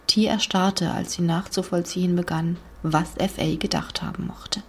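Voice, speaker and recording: A woman narrating a thriller audiobook in a measured storytelling manner with hushed passages. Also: fairly low pitch, steady tone, slightly rough.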